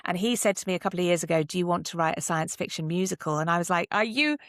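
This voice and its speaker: A British woman answering casually as a podcast guest, animated, candid and self-deprecating. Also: fairly low pitch, rapid-fire, dry recording, studio quality. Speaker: guest, actor and writer.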